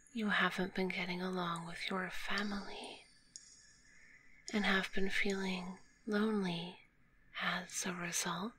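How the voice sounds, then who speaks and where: A kind, drowsy female spider monster acted by a woman whispers in a cozy ASMR roleplay. Her delivery is extremely slow, polite and shy, in a slightly low register. The close binaural recording carries a faint background noise. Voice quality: soft, breathy whisper. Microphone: close binaural microphone.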